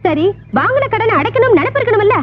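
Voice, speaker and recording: A bitter young married sister. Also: female voice, extremely high pitch, expressive, fast talker. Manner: bitter and reproachful. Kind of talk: 1980s film acting. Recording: thin phone-like film soundtrack with music.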